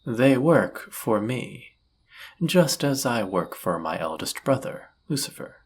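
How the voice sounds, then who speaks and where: A man playing an arrogant demon prince of lust in an audio roleplay, speaking in a suave, condescending, flirtatious manner with a husky, gravelly voice. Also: medium pitch, big pitch swings, takes it slowly, heavily acted. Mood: mocking, haughty. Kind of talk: scripted audio roleplay addressed to the listener.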